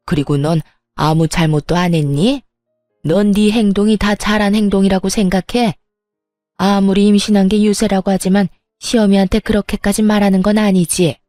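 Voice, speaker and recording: A woman's voice: on the low side, normal speed, dark tone, no room sound, faint music behind, natural voice. A woman voicing a scolding, sneering mother-in-law. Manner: harsh, scolding, sarcastic.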